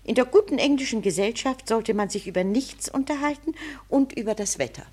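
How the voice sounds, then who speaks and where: A woman's voice: fairly high pitch, expressive, brisk, a little mellow, slightly rough. An actress playing a nervous, fussy English society lady who speaks in a fretful way, in an old film drama.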